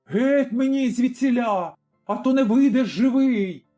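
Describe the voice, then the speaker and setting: A man's voice: very slow, darkish tone, lo-fi sound, soft background music. A man doing a shrieking old witch-innkeeper. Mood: furious. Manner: screeching, shrill and threatening. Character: fierce old male innkeeper-witch, vicious, screeching.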